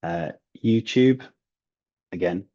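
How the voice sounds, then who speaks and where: Deep husky man, lo-fi audio. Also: slow pace. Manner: relaxed, laughing, many restarts and ums. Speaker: guest, language learning YouTuber. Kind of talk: casual interview chat.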